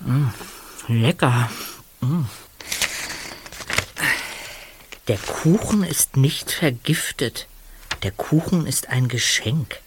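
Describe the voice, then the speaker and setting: An actor playing a young, chatty, easily amazed amateur detective in an audio drama. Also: male voice, mid-range voice, slow pace, noisy background, lightly acted. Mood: savouring. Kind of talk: German audio drama acting.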